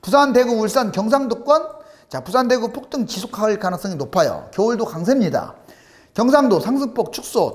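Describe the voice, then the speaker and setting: A man giving solo commentary on housing prices over charts, emphatic and asking rhetorical questions. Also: high-pitched. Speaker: real estate commentator.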